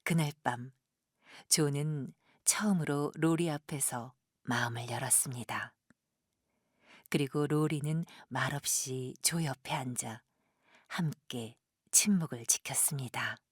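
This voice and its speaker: A woman narrating a scripted audio drama with gentle, measured storytelling and a breathy voice. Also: rumbling low, dry recording, studio quality.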